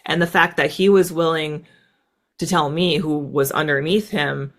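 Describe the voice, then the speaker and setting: A woman in her thirties from the United States, a guest in an interview, telling stories in a quick, animated way with plenty of "like" fillers. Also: low-pitched. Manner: fast, animated, lots of "like" fillers. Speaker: guest, former fighter pilot. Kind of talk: casual storytelling interview.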